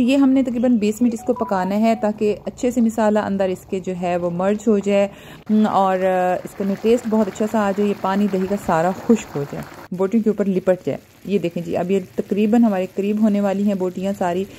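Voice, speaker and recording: A woman's voice: medium pitch, mellow, slight background noise. A woman with a Pakistani Urdu accent, explaining a recipe step by step in a casual home cooking vlog. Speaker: cooking vlogger. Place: rooftop outdoors at night, and a home kitchen.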